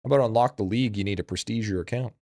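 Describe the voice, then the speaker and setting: Male streamer, lowish voice, casual frat bro talk, slangy and sweary, dry recording. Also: racing, a little mellow, no echo. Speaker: live streamer. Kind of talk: casual livestream chat.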